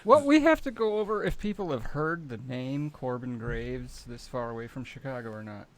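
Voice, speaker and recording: A man's voice: mid-range voice, expressive, normal speed, low-quality recording. A man chatting informally and joking as a player on a tabletop game podcast. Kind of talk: casual group banter.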